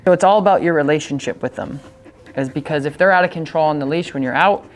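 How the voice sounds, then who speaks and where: A woman's voice: sits low, fast talker. A woman working as a dog trainer, coaching owners in a casual, chatty way and breaking off to give the dog short, upbeat commands.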